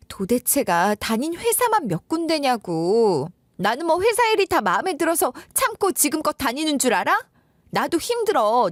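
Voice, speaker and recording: A woman playing a shrill, furious wife scolding her husband. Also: sharp tone, dry recording, studio quality, full character voice. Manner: shrill, scolding, rapid-fire complaints. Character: angry exhausted working mother, a wife. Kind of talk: storytelling radio drama.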